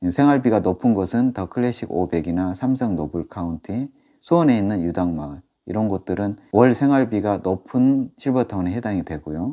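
Over a quiet background, a man speaks at a moderate pace. His voice is fairly low in pitch, with a dark, mellow tone. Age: middle-aged. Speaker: doctor of Korean medicine and YouTuber; YouTuber. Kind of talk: tutorial. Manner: formal.

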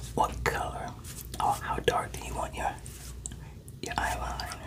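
Whispering, a man keeps up a moderate pace. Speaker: vlogger. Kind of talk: casual vlog chat, comic role-play. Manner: soft, hushed ASMR voice. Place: home room. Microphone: phone near.

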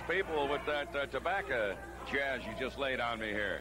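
Noticeable background noise sits behind speech that moves at a moderate pace. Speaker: wrestling play-by-play commentator. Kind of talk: live wrestling commentary, play-by-play. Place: hall.

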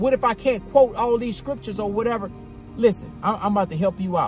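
A man's voice, dry with no echo, over faint background music. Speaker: faith vlogger. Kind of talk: casual motivational preaching. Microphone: phone near.

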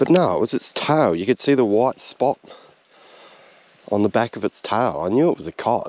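A man's voice with vocal fry, in a dry recording with no echo. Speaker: fishing vlogger. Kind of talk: casual vlog chat. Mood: excited, amazed. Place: waterside.

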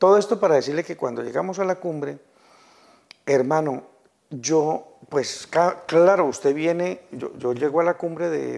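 A man talks at a moderate pace with ordinary pitch variation. His voice is fairly high, and the background is quiet. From Colombia, Santander (Bucaramanga / Floridablanca); Santander, Colombia. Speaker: radio communicator and producer; interview guest. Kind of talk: interview. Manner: halting, many repetitions. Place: studio. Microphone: lapel.

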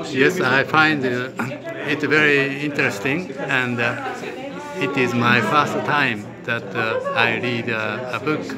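Loud noise fills the background. Over it, a man talks very slowly with a Japanese accent. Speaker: ambassador. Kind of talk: interview answer. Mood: friendly, smiling. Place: hall. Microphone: phone near.

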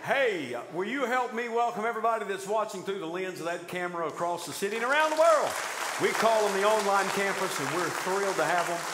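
A man speaks at a very fast pace with crowd noise in the background. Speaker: pastor. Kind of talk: sermon-style welcome address. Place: church. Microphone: headset.

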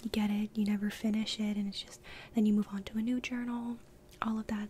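Soft-spoken and monotone, a woman talks with flat intonation in a dry sound with no echo, over light background noise. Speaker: ASMR creator. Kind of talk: casual vlog chat. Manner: soft-spoken, quiet storytelling. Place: home room. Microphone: studio mic.

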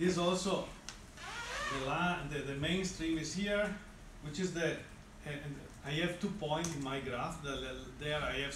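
A fairly slow, fairly evenly intoned delivery in an Italian accent, with noticeable background noise. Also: man. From Italy. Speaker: university lecturer. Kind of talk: lecture. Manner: halting. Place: classroom. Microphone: camera far.

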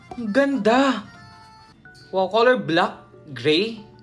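Extremely high-pitched male voice at a very slow pace, ordinary pitch variation, faint music in the background. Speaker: content creator. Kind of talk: casual vlog chat.

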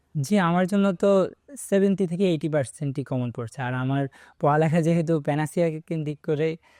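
Against a quiet background, a man speaks with a fairly high pitch and a dark, mellow tone. His pitch variation is ordinary, and the sound is dry and close with no echo. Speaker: university admission test topper. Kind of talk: interview.

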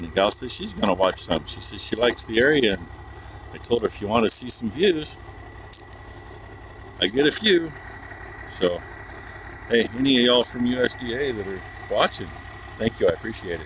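A man talks at a moderate pace, leaving long, frequent pauses, with noticeable background noise throughout. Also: dry sound with no echo. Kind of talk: casual vlog chat. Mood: relaxed, joking. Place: open country. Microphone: phone near.

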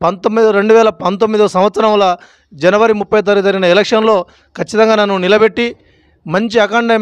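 A man speaks in a high-pitched voice with a flat, monotone delivery. The background is quiet and the sound is dry, with no echo. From Telangana, Warangal area village; Telangana. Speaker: village head (sarpanch). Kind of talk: interview. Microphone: handheld.

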